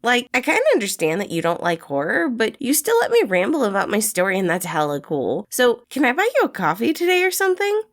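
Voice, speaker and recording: A brash, excitable man from a storybook, voiced by a woman. He talks in casual slang, teasing and blunt, with a lifted pitch and punchy emphasis. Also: fairly quick, few pauses. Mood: eager, friendly. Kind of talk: acted storybook dialogue in fan fiction reading.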